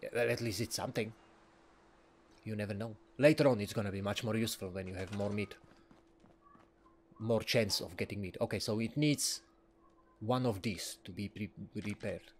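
A man's voice: on the low side, normal speed, pauses often, a little hiss or hum. A man giving casual, rambling commentary while playing a video game, often chuckling. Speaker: let's play gamer.

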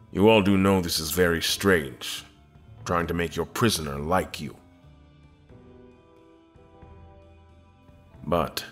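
An actor playing a dignified, reserved space admiral who speaks in formal, measured, articulate phrases in an audio drama. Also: male voice, extremely low pitch, heavily acted. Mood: guarded, grateful.

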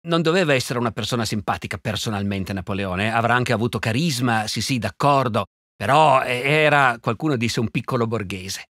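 An older man explaining history in a conversational lecture style, telling stories with rhetorical questions and quick asides. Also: medium pitch, a bit bright, no room sound, clean studio sound. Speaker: historian answering listener questions.

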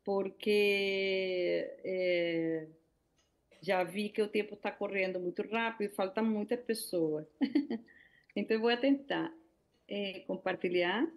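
A woman's voice: medium pitch, takes it slowly. Woman with a Spanish accent on a video call. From Venezuela. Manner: hesitant, many fillers and restarts. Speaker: researcher presenting by video call. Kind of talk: public hearing presentation.

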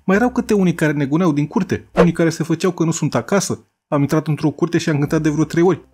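A man telling a humorous childhood story in a brisk, colloquial way. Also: fairly high pitch, darkish tone, husky, soft background music. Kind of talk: casual childhood story narration.

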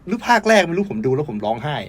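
A young man co-hosting a radio talk show, chatting casually, animated with frequent laughs and restarts. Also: a little high, very fast, a little hiss or hum. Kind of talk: casual chat.

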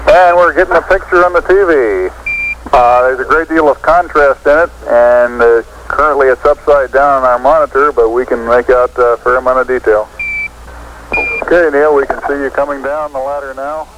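A man from mission control speaking haltingly over an archival space radio transmission. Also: mid-range voice, muffled recording, noisy background. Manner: halting, with fillers. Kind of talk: live radio commentary.

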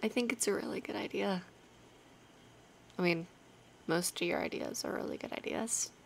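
A young woman plays a girlfriend chatting intimately in an ASMR style. Her voice is soft and often close to a whisper, with a creaky edge and a casual, hesitant flow. Faint rainy-night ambience sits behind her. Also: mid-range voice, normal speed. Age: 19, young adult. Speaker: ASMR roleplay performer playing an affectionate girlfriend. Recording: clear background noise, rainy night ambience. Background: rain ambience.

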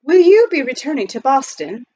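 A woman voicing a polite, earnest butler turned gold miner with a formal, halting delivery in a storybook reading. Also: high-pitched, big pitch swings, warm tone, lo-fi sound, voice pushed up. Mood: flustered, earnest.

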